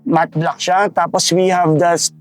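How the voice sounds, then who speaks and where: A man's voice: on the high side, flat delivery, measured pace, faint music behind. A man with a Filipino accent giving a casual walkaround tour of a car's interior, explaining each feature step by step with many fillers. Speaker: car sales presenter. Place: inside a parked car.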